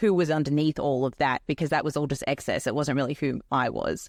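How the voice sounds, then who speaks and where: A woman with an Australian accent speaks in a very deep, low voice with fairly even intonation. The recording is very clean and dry, close-miked with no echo and a silent background. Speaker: entrepreneur. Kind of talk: interview.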